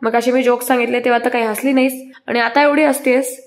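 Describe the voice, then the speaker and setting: This is a boastful young husband who laughs at his own jokes, spoken by a woman retelling the scene. He teases and insists, repeating his pleas. The voice sits slightly high and stays close to a narrator's own. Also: steady tone, fast talker, close to an everyday voice. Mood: playful.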